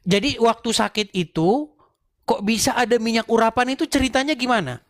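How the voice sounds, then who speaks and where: A man's voice: very high voice, a little fast, a bit bright. Male host prompting with short questions. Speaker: debate show host. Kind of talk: interviewing a caller.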